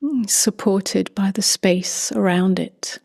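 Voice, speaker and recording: Woman, meditation teacher, very breathy near-whisper, slow pace, gentle, long pauses. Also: mid-range voice. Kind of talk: guided meditation.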